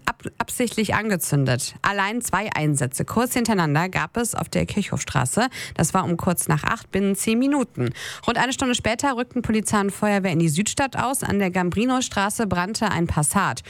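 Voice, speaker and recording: A woman anchoring a local radio newscast, reading items in an even, measured way. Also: mid-range voice, no echo. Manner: even, measured news delivery. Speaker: news anchor. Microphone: studio mic.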